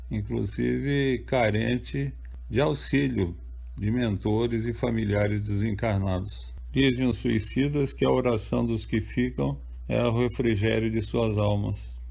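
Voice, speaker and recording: Older Brazilian man, gravelly calm voice. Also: mid-range voice, unhurried. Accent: Brazilian Portuguese. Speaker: author interviewed. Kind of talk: measured spoken answers.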